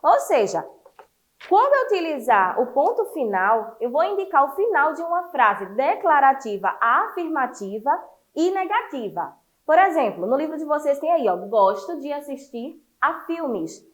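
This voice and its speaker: A woman teacher from Brazil giving an online class to children, lively and encouraging, explaining step by step. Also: high-pitched, moderate pace.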